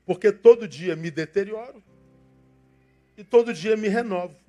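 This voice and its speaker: Impassioned high-voiced Brazilian pastor preaching. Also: male voice, normal speed, faint music behind. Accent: Brazilian Portuguese. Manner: impassioned preaching, swings from loud emphasis to soft asides, acts out church members. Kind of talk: sermon.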